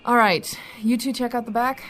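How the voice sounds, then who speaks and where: An actress playing a brisk, authoritative federal agent in an audio drama, businesslike and polite but commanding. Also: female voice, on the high side, steady tone, fairly bright tone, natural voice.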